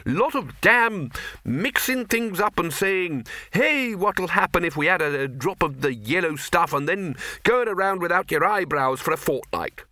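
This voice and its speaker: A man's voice: sits high, expressive, a little slow, bright, forceful tone, dry recording, pitched above the performer's own voice, heavily acted. A man voicing a blunt, blustering old male wizard chief who talks in brusque, clipped bursts.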